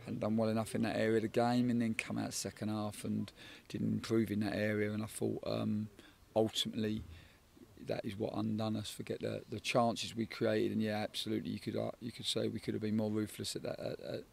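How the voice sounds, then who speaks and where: Gravelly-voiced football coach, low and flat. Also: male voice. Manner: measured, repeats words while thinking. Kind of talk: post-match interview. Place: floodlit football stadium pitch at night, outdoors. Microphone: handheld interviewer microphone.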